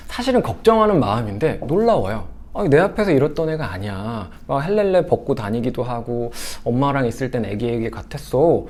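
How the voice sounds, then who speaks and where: A male sex education lecturer speaks to parents in a lively, expressive voice. His pitch rises and falls a lot as he explains, and he slips into quoted lines in an animated way. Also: brisk, hardly any pauses.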